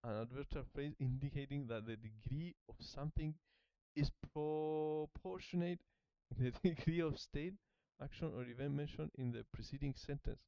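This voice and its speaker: A man's voice: a little high, normal speed, smooth, no room sound. Hesitant man practicing aloud. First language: German. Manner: hesitant, repeats words while working them out; soft self-conscious laughs. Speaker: language learner. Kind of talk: thinking-aloud study session. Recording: slightly muffled dry sound.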